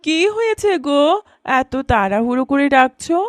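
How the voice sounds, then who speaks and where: Cartoon village mother, played by a woman: extremely high, swooping pitch, curious, exclaiming. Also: sing-song, normal speed, dry recording, studio quality. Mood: curious, amazed. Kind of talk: children's moral cartoon voice acting.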